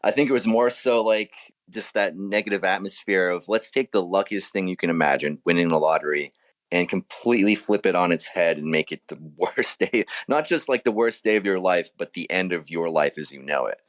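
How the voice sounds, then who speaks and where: A man's voice: low-pitched, a little fast. A man, talking as a writer being interviewed. His delivery is conversational and reflective as he explains his creative choices. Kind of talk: casual interview chat.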